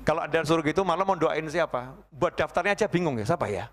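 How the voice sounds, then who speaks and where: A man preaching a sermon, murmuring softly as he acts out prayers and rising to emphatic bursts. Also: fairly high pitch, expressive, quick pace, slight background noise. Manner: drops to hushed murmurs acting out prayers, rises to emphatic shouts. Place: mosque hall. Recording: long hall reverb.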